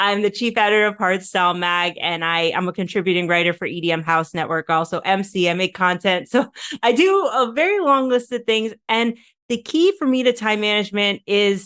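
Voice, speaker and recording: Against a quiet background, a woman talks at a fairly quick pace with a medium pitch and ordinary pitch variation. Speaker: podcast host and content creator. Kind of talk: interview.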